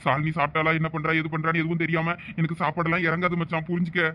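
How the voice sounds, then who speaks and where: A man's voice: fairly high pitch, completely flat delivery, rapid-fire, muffled recording, a little hiss or hum, lightly acted. A man playing a distraught young husband who pleads and sounds close to tears in a village drama. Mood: refusing. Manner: tearful, pleading.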